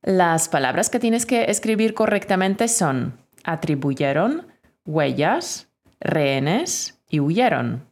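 Slow, lively-voiced woman teacher dictating. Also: on the low side. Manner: clear, deliberate dictation. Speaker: Spanish teacher. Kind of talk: spelling dictation lesson.

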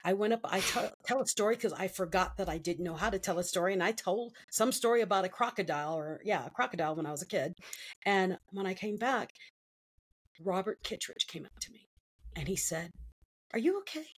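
A woman's voice: fairly low pitch, fairly quick, husky. A middle-aged woman telling her personal story as a guest in an interview, emotional and vivid, acting out what others said. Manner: emotional, storytelling with quoted voices.

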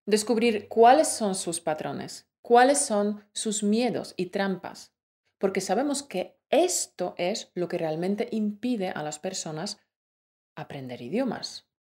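A woman co-hosting a language-learning podcast, explaining in a clear, measured teaching voice. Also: medium pitch, lively intonation, a little mellow. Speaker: co-host of a Spanish-learning podcast.

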